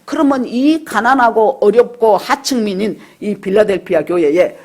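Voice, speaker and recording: Husky-voiced woman pastor preaching. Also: mid-range voice, moderate pace, a little mellow. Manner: storytelling, acting out quoted dialogue. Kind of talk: sermon. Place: church service.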